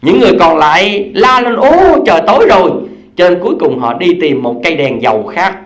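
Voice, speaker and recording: A man's voice: fairly high pitch, expressive, fairly quick, fairly bright tone. A male Buddhist teacher giving a dharma talk, telling parables and asking his listeners questions. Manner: storytelling, asks the audience questions.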